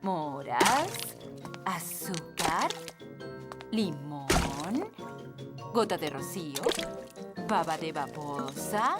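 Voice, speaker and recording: A woman voicing a bossy fairy nanny in a children's cartoon dub, with a Latin American Spanish accent and theatrical, drawn-out delivery. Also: low voice, expressive, loud music behind the voice, heavily acted. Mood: brisk, instructing. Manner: theatrical, drawn-out incantations and instructions. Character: bossy fairy nanny who casts magic spells.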